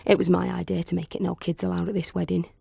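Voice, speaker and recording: A woman's voice: lowish voice, little pitch movement, fast, gravelly, warm tone, slightly rough, no echo, studio quality, heavily acted. A woman performing a monologue as a catty, blunt gossip with a snide, mock-apologetic manner. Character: catty, gossiping, blunt female wedding guest or bride. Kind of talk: dramatic monologue.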